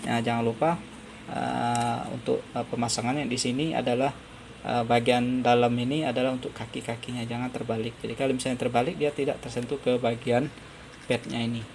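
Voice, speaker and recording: A man walks through a repair tutorial in a creaky, mid-pitched voice. His intonation stays very even as he explains and restates each step. The home-made recording has clear noise behind him. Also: fairly quick. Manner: explanatory, repeats points step by step. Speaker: phone repair tutorial presenter. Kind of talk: hands-on tutorial narration.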